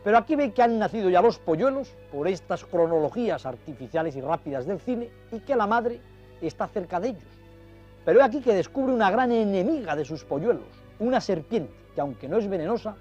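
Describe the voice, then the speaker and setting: This nature documentary narrator is a man whose voice sits high with a darkish tone. Addressing the audience directly and didactically, he explains the film footage in ornate, dramatic storytelling language. Music plays behind him, and the sound is dull, like vintage television.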